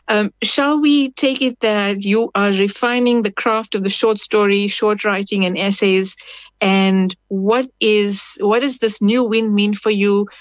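A woman's voice: medium pitch, no room sound, rough recording. A woman interviewing a writer, speaking in a reflective, thoughtful way. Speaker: interviewer, host. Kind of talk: interview conversation.

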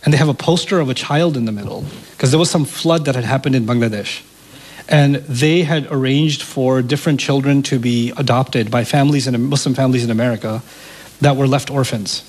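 A man whose first language is Urdu tells a personal story as an interview guest, animated and repeating words as he gets excited. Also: mid-range voice, brisk. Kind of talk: storytelling in conversation.

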